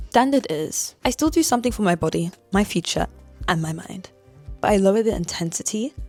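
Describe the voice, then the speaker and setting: A woman with a London accent, medium pitch, lively intonation and a fairly quick pace, over music in the background. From London, England. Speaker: university student and content creator. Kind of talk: motivational talk to camera.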